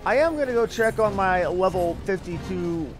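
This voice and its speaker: A man's voice: high voice, expressive, moderate pace. A man giving casual, folksy live commentary as he streams a game, swearing now and then. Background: video game music.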